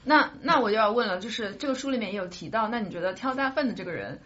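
A woman's voice: medium pitch, expressive, fast, a bit bright, lo-fi sound. A woman co-hosting a podcast, discussing ideas casually and reflectively, arguing her case through probing questions. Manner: probing, argumentative, poses questions. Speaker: podcast co-host.

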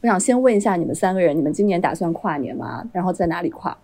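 Woman podcast host, husky voice, brisk delivery, steers a loose chat with questions. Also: fairly low pitch, lively intonation, dark tone. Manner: guides the talk, asks the others questions. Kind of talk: casual chat.

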